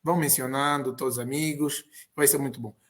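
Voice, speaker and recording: A man with an Angolan Portuguese accent, hosting a live online interview and asking his questions in a measured, deliberate way. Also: mid-range voice, fairly even intonation. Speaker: host.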